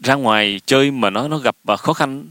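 A man's voice: mid-range voice, bright, forceful tone, no room sound, studio quality. A man interpreting a sermon line by line, hurrying with fillers and restarts. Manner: hurried, with frequent fillers and restarts.

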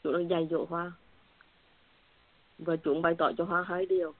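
A woman's voice: fairly low pitch, flat delivery, normal speed, dry recording. Earnest woman sharing testimony by phone. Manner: earnest, repetitive, emotional at times. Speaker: church member sharing testimony. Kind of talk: spoken faith testimony. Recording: tinny phone-like line.

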